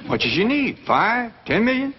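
An actor playing a kindly, humble backwoods family head who talks in a slow, polite, folksy drawl. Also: male voice, very high-pitched, very animated. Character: kindly, plainspoken backwoods patriarch, newly rich. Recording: dull 1960s TV audio, faint hiss.

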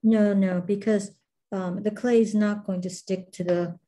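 Middle-aged woman, warm mellow tone, casual instructor thinking aloud as she shapes clay. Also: medium pitch, steady tone, unhurried. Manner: thinking aloud, many fillers and trailing phrases. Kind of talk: casual chat while demonstrating.

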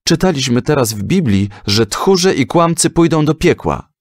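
A man's voice: a little high, very animated, normal speed, dry recording, studio quality, pitched above the performer's own voice. A man voicing an earnest, bold young son who asks probing questions in a children's audio story. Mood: insistent.

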